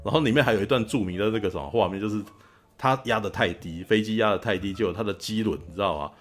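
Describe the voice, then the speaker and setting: A man with a Taiwanese Mandarin accent talks quickly in a low-pitched voice while hosting a casual podcast. He retells a film scene in an animated way and keeps tossing in "you know?". Faint music plays underneath. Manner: animated retelling, frequent "you know?" tag, laughs often. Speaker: podcast host. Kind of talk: casual film-review chat.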